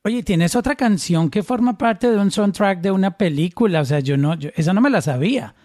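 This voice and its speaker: A man's voice: sits high, lively intonation, fairly quick, darkish tone, no echo, clean studio sound. A man from Colombia with a paisa accent, interviewing in a casual, chatty way and often repeating words as he starts a phrase.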